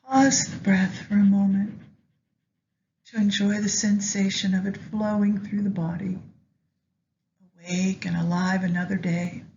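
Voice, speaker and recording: A woman leading a guided meditation with astrology, speaking gently and in measured short phrases with long pauses. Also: medium pitch, little pitch movement. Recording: dull lo-fi sound, faint background noise.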